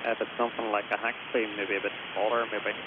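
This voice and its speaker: A man with a Northern Irish accent chatting casually and haltingly as an amateur radio operator over a shortwave link. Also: fairly low pitch, flat delivery, narrow, tinny audio. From Northern Ireland. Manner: halting, repetitive, tags phrases with "so you are". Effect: shortwave radio transmission. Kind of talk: casual ham radio contact chat. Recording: thin, band-limited radio signal with loud hiss.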